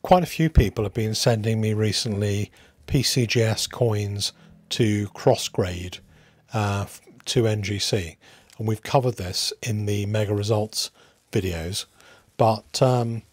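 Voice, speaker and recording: A man hosting a hobby video in a casual, unscripted way, musing aloud with hesitant pauses. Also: fairly low pitch, darkish tone, no room sound. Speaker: host of a coin collecting channel.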